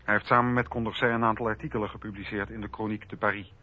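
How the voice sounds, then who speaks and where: A man narrating a historical radio drama from a script in a measured, factual way. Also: on the low side, flat delivery. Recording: slightly dull radio recording.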